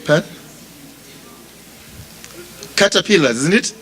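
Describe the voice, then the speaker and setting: A man with a Zimbabwean accent preaching a sermon as a pastor, speaking deliberately and repeating phrases for emphasis as he addresses his listeners directly. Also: fairly high pitch, animated, noisy background. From Bulawayo, Zimbabwe. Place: funeral service before a congregation.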